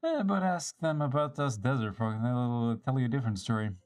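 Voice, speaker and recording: A man streams himself reading game dialogue with theatrical flair, flipping between character voices and occasionally tripping over words and repeating lines. He speaks fairly quickly with lively intonation in a medium, darkish voice, over background music.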